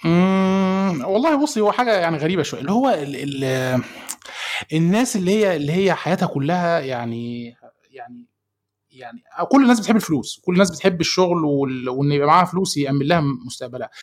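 A man's voice: a little high, animated, fast talker, no echo. A young man from Egypt with an Egyptian Arabic accent, a podcast guest talking in an easygoing way, searching for words as he reflects. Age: young adult. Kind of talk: casual podcast conversation.

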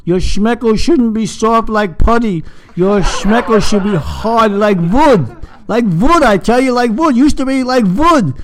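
A man's voice: high-pitched, slow pace. A man playing a fretful old Jewish man who rambles and preaches in a complaining way. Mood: kvetching. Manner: kvetching, rambling, sermon-like. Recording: noisy, with crowd chatter behind.

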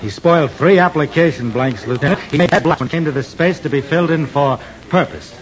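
An actor playing a polite, deferential post office clerk in a 1940s radio drama. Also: male voice, on the high side, fairly quick, loud music behind the voice, lightly acted. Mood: eager. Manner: deferential, eager.

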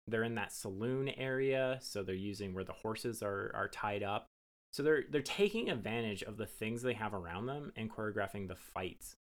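A man co-hosting a movie podcast, recapping the plot in casual chat and laughing often. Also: fairly low pitch. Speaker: podcast co-host.

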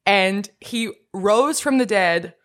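Young woman, podcast co-host, medium pitch, wry and playful, laughs easily. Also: animated, slow. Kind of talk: casual podcast chat.

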